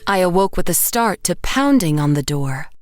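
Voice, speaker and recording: An actress playing a haunted woman painter who narrates horror in a measured, literary way. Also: fairly low pitch, very animated, no room sound, soft background music. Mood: uneasy, haunted. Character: haunted woman painter narrating her own murder, dazed and grim. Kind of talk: first-person horror audio drama narration.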